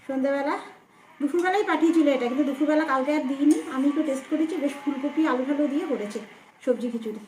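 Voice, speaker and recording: Fast-chatting mother narrating her home. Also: sits high, a little mellow, slight background noise. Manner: chatty, narrating chores and meals as she goes. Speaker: family vlogger and mother. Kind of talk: casual home vlog chat. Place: family home kitchen.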